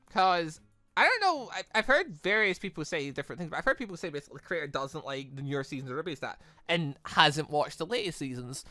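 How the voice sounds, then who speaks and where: A gaming video host rambling casually and excitably through fan opinions while commentating on a game. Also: mid-range voice, no room sound.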